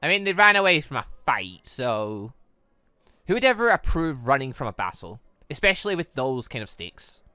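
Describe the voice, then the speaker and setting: A man reading a visual novel aloud and commenting off the cuff, often stumbling and correcting himself as he rambles excitably. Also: medium pitch, normal speed, clear, resonant tone, no room sound. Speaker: gaming channel host.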